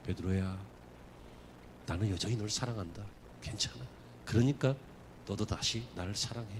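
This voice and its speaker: A pastor voicing a gentle, forgiving Jesus. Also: male voice, expressive, a little fast, background noise, lightly acted. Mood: tender. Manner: soft, low and tender. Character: Jesus, gentle forgiving man speaking to a disciple.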